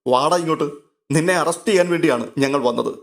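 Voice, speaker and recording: A stern male police inspector, gruff and scornful as he makes an arrest, read out by a man narrating a serial. The voice sits a little high for a man. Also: fast. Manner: gruff, sarcastic.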